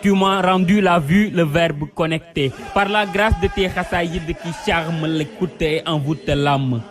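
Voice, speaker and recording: A man's voice: fairly high pitch, a little slow. A man reciting a devotional poem in a solemn, emphatic, rhythmic and exalted declamation. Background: music under the voice.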